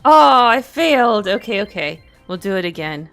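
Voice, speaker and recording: A woman with a Southern US accent giving casual, playful commentary as she plays a video game, reacting out loud and laughing easily. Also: mid-range voice, very animated, normal speed. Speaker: let's play streamer. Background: faint game music.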